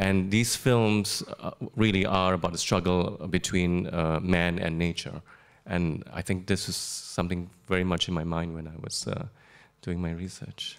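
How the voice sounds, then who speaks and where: Fairly slow speech with fairly even intonation. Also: man, very deep, low pitch for a man, quiet background. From Singapore. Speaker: artist; artist on panel. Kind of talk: panel discussion. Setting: live broadcast before a cinema audience. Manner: halting. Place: stage. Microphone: studio mic.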